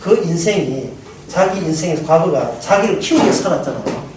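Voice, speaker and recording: A man preaching a sermon as pastor, lively, often laughing and asking his listeners questions. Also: on the high side, normal speed, recorded from a distance. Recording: very echoey hall, mic from afar, faint noise.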